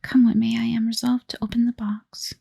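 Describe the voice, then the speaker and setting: A curious, easily tearful young girl speaks in a hushed whispered role-play, as a woman voices her. The whisper is husky and slightly raised in pitch. The sound is dry and close. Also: level tone, fairly quick, heavily acted. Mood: eager. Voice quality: breathy whisper.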